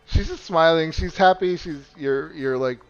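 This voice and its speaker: A man's voice: on the high side, unhurried, clear, resonant tone, muffled recording, soft background music. Laughing, rambling male game master. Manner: casual, rambling, laughing often. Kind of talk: narrating a tabletop game.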